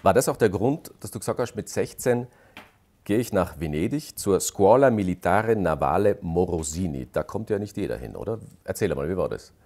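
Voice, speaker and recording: Host, middle-aged man, lowish voice, friendly interviewer. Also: animated, normal speed, a little mellow. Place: rustic hotel lounge.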